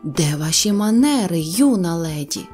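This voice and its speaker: A woman's voice: lowish voice, expressive, warm tone, slightly rough, soft background music. A woman voicing a strict, dignified mother cat duchess in an audio storybook. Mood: stern. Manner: stern, measured, reproving. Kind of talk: storybook character voice.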